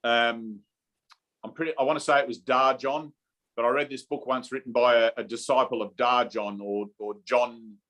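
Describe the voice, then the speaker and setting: Steady in tone and moderate in pace, a man with a medium-pitched, slightly bright voice teaches an informal spiritual session on a video call. "Okay?" and "right?" come up often as he checks on listeners.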